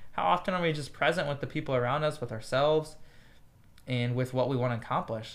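Ordinary pitch variation in a man's normal speaking voice. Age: 20s. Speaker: podcast host. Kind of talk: solo monologue.

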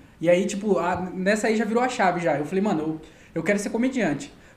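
Over noticeable background noise and audible room echo, a man talks at a very fast pace. His intonation is lively. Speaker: comedian. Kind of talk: casual chat. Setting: home recording.

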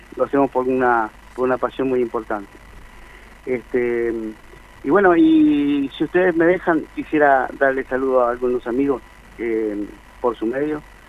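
Background noise is noticeable as a man talks at a moderate pace and medium pitch, with ordinary pitch variation. He leaves long, frequent pauses. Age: 60s. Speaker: football club delegate. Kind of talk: interview.

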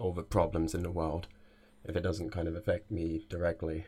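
A man's voice has a dark, mellow tone and sounds somewhat breathy. The recording is very clean, with a silent background. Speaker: podcast guest. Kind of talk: casual chat. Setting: inside a wardrobe. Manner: hesitant, many fillers and repeats.

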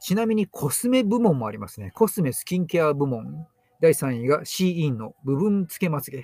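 With very wide pitch swings, a man speaks in a dark, mellow tone that is somewhat breathy. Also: dry, close sound with no echo. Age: 50s. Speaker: walking instructor and podcaster. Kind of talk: live-stream monologue. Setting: live audio stream.

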